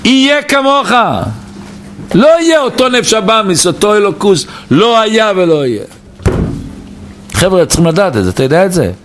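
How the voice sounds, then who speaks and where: Animated man telling a Hasidic story. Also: high-pitched, noisy background. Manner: animated, repeats phrases, addresses listeners directly. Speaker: Hasidic teacher at a gathering. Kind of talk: storytelling talk at a farbrengen.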